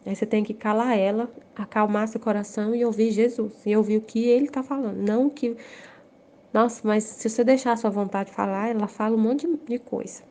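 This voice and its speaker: A woman's voice: fairly high pitch, steady tone, fairly quick, dark tone. Emotional Brazilian woman sharing testimony. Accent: Brazilian Portuguese. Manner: emotional, exclamatory, repeats herself. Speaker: group member sharing testimony.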